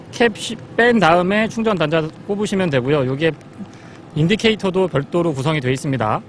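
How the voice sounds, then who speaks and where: A man with a notably high voice presents a car review in an explanatory, polite way. He sounds like a test-drive reviewer talking through features, with some vehicle and street noise behind him.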